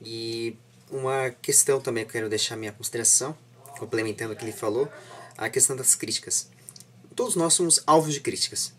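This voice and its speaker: A man in his twenties with a Brazilian Portuguese accent, hosting an interview and addressing viewers in a deliberate, formal, encouraging way. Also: medium pitch, fairly bright tone. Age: 20s. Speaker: interview host. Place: living room at home.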